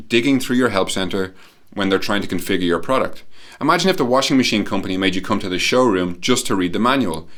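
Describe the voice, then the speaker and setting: A man presenting a prepared talk as a conference speaker, explaining points clearly with emphasis and rhetorical questions. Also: on the low side, fairly bright tone. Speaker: conference speaker, company employee.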